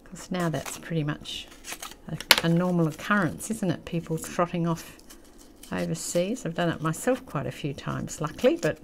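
A woman's voice: lowish voice, lively intonation, moderate pace, creaky, noisy background. An older woman with an Australian accent, chatting casually and reminiscing as she hosts a craft tutorial at a table. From country New South Wales, Australia. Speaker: craft channel host.

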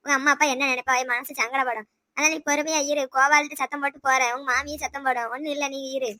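Woman voicing a sharp-tongued village mother-in-law. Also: high voice, steady tone, no echo. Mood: soothing. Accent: Tirunelveli Tamil. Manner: scolding, rapid, rustic. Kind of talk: cartoon voice acting.

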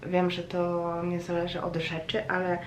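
A woman talking casually to her vlog audience in a hesitant, reflective way, with frequent pauses. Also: on the low side, completely flat delivery. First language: Polish. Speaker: vlogger. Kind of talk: casual chatty personal vlog monologue. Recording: roomy echo, faint background noise.

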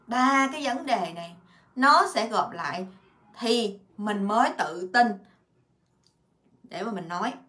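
A woman teaching a Korean grammar lesson in a casual way, explaining in Vietnamese and repeating Korean words and example sentences in quick bursts. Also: mid-range voice, expressive, sharp tone, echoey room. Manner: refers to herself by her own name and as teacher.

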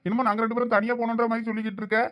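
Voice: mid-range voice, little pitch movement, rapid-fire, a bit bright, no room sound, lightly acted. A performer playing an irritated college-going son arguing with his mother in a village comedy skit, with a Thoothukudi Tamil accent. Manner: irritated, argumentative.

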